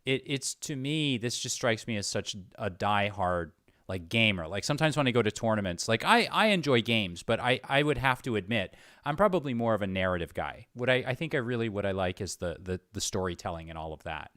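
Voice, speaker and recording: A man's voice: lowish voice, animated, brisk, fairly bright tone, dry recording, studio quality. A man chatting casually as an interviewer, rambling a little tentatively and saying "like" often. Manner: tentative, rambling, peppers talk with "like".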